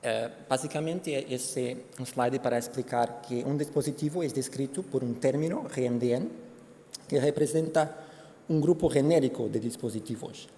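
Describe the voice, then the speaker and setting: Hombre portugués, voz grave y rasposa. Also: male voice, mid-range voice, warm tone. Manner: halting, many fillers and restarts. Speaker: conference speaker. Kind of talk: conference presentation. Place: conference hall. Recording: hall reverb, faint background noise.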